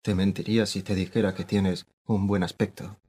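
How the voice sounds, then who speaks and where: An actor playing a musician in his forties visiting his old teacher, speaking in quiet, halting, uneasy lines with a husky voice. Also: low-pitched, little pitch movement. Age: 40s.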